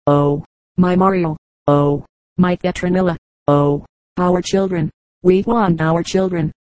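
A woman's voice: on the low side, fairly even intonation, slow pace, darkish tone, no echo, low-quality recording. A woman reading aloud, voicing a distraught immigrant mother who pleads in broken speech. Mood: pleading.

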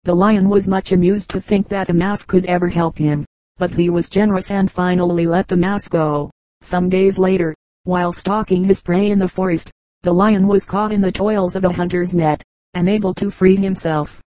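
A woman reading fables aloud in a measured, even storybook narration. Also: on the low side, no room sound, rough recording. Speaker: audiobook reader.

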